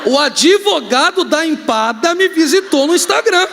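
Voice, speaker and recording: A man with a Brazilian accent, a pastor preaching a sermon, joking and telling stories with sudden shouts. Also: extremely high pitch, moderate pace, vocal fry, background noise. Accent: Brazilian Portuguese. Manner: joking, animated storytelling with shouts. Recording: reverberant hall, faint ambience.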